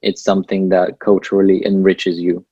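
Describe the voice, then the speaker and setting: A man's voice: low voice, moderate pace, husky, dry recording, highs cut off. A young man from Bulgaria with a Bulgarian accent, speaking English as a second language and giving earnest advice as a guest in a casual interview. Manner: relaxed, earnest, laughs between points. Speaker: guest, PhD student.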